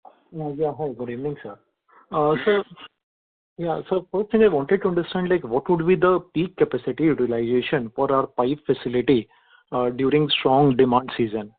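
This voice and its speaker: A man's voice: fairly high pitch, moderate pace. A man, an analyst politely asking questions on an earnings call. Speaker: financial analyst. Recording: narrow phone-line sound.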